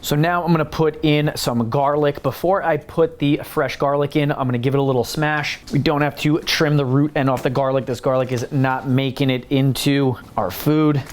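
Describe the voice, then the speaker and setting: A man's voice: on the high side, normal speed, a little hiss or hum. Chatty man teaching home cooking. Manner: relaxed, chatty, explains as he works. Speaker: home cooking channel host. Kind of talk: casual step-by-step cooking tutorial. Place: home kitchen.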